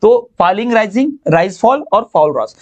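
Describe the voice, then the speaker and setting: Man teaching English in Hindi, high voice. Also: animated, muffled recording. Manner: explains in Hindi, reads English lines slowly. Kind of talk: exam-prep lecture.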